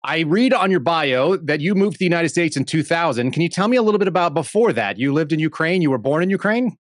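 A man's voice: fairly high pitch, expressive, fast talker, dry recording, clean studio sound. A man hosting a political podcast in a brash, casual way, reading ads and interviewing a guest. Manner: brash, casual, punchy ad reads. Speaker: podcast host.

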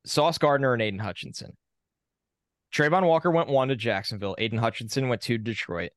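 A young adult man co-hosting a podcast in a casual sports chat. He sounds opinionated and reels off facts in a steady run. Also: medium pitch, a little fast, no echo, studio quality. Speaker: podcast co-host.

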